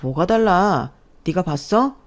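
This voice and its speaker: A woman's voice: lowish voice, expressive, unhurried. A woman voicing a scheming, defensive young man, a sneering ex-fiancé in a storybook drama. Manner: sneering, contemptuous.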